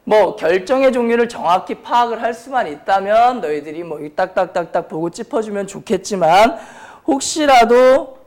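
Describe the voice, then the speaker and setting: A man's voice: high voice, animated, normal speed, a little mellow. A man with a strained, sore throat lecturing as a science teacher, blunt and informal, often putting questions to the class. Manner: question-and-answer delivery, repeatedly prompting students; blunt, informal speech to students. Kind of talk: high school chemistry lecture.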